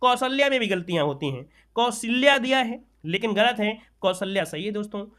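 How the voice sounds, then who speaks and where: Man, high voice, bright tone, spelling lesson for exam prep, says each word over and over, answers his own questions. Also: lively intonation, fairly quick. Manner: repeats each word several times, calls listeners friends. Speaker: Hindi grammar teacher.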